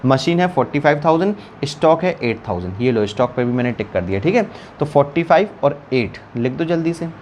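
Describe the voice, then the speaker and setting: A man's voice: on the high side, very animated, brisk, a little mellow, slight background noise. A man teaching an online accountancy class, working sums aloud while writing and teasing his students. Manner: chatty, teasing, calls students beta.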